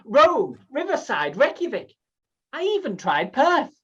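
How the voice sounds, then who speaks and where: A man's voice: extremely high pitch, wildly swooping pitch, unhurried, fairly bright tone, husky, far from the mic, muffled recording. A British man performing rehearsed comic storytelling in rhyme as a competition speaker, with a theatrical manner.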